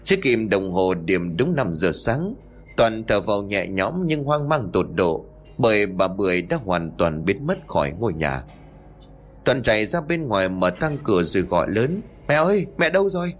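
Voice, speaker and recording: A man narrating a horror story in a steady, suspenseful scripted way. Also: on the low side, normal speed. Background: faint music.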